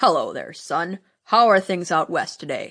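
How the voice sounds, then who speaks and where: Putting on a character voice, a woman speaks at a medium pitch and moderate pace with a rumbling, raspy sound. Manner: warm, avuncular.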